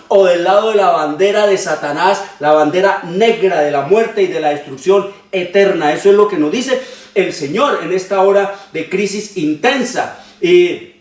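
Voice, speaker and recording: High-voiced preacher in a roomy space. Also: male voice. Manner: impassioned preaching with long repeated lists; frequent hesitations with "eh". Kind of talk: sermon. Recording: roomy, distant from the mic.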